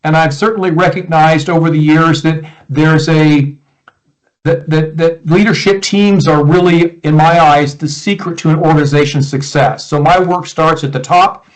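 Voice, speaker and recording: A man in his sixties with an American Midwest accent, a guest coach answering interview questions in a relaxed, reflective way over a video call. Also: on the high side, normal speed, low-quality recording. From United States, Iowa. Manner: relaxed, reflective, with frequent restarts.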